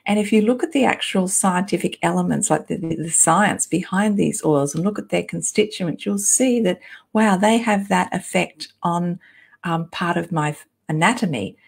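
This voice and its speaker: A woman with a fairly low voice and a strong creak in it hosts an informal online talk. She is encouraging and down to earth, chatting to her viewers as she guides them. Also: normal speed. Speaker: workshop host, essential oils guide.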